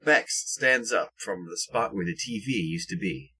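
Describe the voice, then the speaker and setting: A man's voice: on the low side, measured pace, pushed and bright, slightly rough, rough recording. A man reading scripted narration as the narrator of an audio drama.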